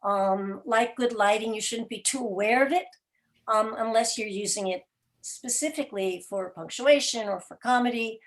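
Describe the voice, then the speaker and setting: A woman giving thoughtful, deliberate and articulate explanations as a producer being interviewed. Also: on the high side. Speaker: guest, radio drama podcast producer.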